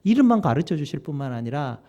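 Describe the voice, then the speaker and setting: A man's voice: fairly high pitch, big pitch swings, fast, dark tone. A male pastor preaching a sermon with emphatic rhetorical questions.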